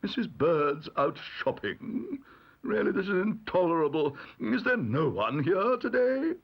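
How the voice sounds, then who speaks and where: A man doing a pompous old judge, high and husky. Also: sing-song, exaggerated voice. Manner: pompous, exclaiming, drawn-out. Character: pompous old male judge, easily flustered. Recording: dull lo-fi audio recording.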